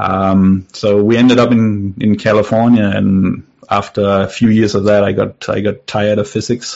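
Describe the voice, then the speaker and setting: A man with a Danish accent, fairly low pitch, fairly even intonation and a moderate pace. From Denmark. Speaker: author and early retirement blogger. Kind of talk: interview. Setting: remote call. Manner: repeats words, halting.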